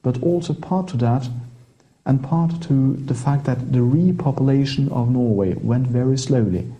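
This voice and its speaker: Norwegian-accented priest, mellow voice. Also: male voice, mid-range voice, rough recording. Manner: chatty, halting restarts, light laughter. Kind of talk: interview guest explaining history.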